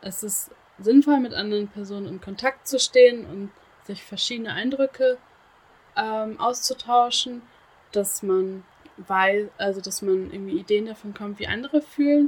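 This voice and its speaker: A woman speaks with fairly high pitch, ordinary pitch variation and a moderate pace. Her loudness swings widely. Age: 20s. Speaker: podcast guest sharing life story. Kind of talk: interview. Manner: hesitant, many fillers.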